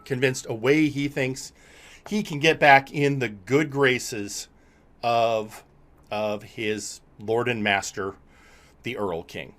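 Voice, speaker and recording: A man hosting and commentating on a wrestling show, speaking haltingly and often repeating his words. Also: mid-range voice, steady tone, a bit bright. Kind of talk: live sports-entertainment commentary.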